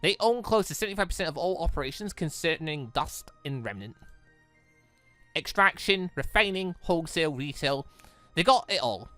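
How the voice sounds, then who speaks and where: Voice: medium pitch, animated, moderate pace, pushed and bright, no room sound. A game streamer voicing a breezy, knowledgeable female hunter who explains the world to a student in a casual, confident way. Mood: matter-of-fact. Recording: music playing under the voice.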